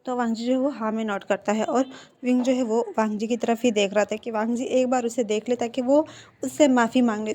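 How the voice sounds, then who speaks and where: A woman chats through a fan fiction plot like a casual storyteller, leaning on filler phrases. Her voice is high and warm rather than bright.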